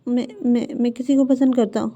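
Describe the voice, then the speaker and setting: A woman's voice: a little high, steady tone, brisk, mellow, close to an everyday voice. A woman voicing an anxious young man who stammers and pleads, in a dull lo-fi recording. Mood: pleading.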